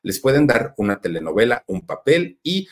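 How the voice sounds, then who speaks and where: A man with a Mexican accent hosting a channel, telling show-business stories in an animated, chatty way and repeating words for emphasis. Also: medium pitch, normal speed. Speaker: channel host. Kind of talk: storytelling commentary.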